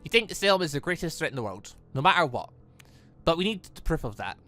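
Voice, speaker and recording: A man acts out a stern military commander in a visual novel, with a bright, forceful voice. He is blunt and accusatory, giving orders angrily over faint music. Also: a little high, very animated, fast. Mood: stern, reproachful. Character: stern, angry male military security chief. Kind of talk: visual novel dialogue reading.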